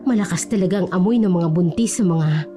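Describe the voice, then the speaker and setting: Brief: a woman doing a stern, steady older healer, mellow dark tone, faint music behind. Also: lowish voice, a little fast, close to an everyday voice. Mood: grave. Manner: grave, instructing. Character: older village healer woman, calm and commanding.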